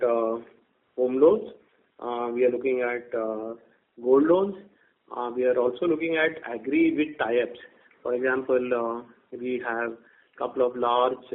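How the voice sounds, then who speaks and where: Heard through a thin, narrow-band conference call, a man with an Indian accent replies in his role as a bank executive. He speaks in a mid-range voice, semi-formally, with a halting, hesitant style that repeats words.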